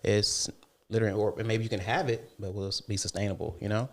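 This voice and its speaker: Podcast guest, young man from Alabama, lowish voice, thoughtful, talks around his point with fillers. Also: fairly even intonation, fast. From Alabama, USA. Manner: reflective, many fillers and restarts. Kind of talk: casual conversation.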